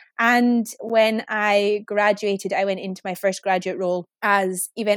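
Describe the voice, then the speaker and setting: With a Highland Scottish accent, the voice comes across dry and close with no echo. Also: woman, very clean recording, silent background. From Scotland, Highlands (Inverness). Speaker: events graduate. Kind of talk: casual interview.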